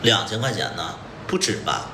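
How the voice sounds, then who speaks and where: A man's voice: deep voice, sing-song, normal speed. A man co-hosting a livestream with casual, teasing, needling banter. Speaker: livestream co-host. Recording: noisy, echoey livestream room.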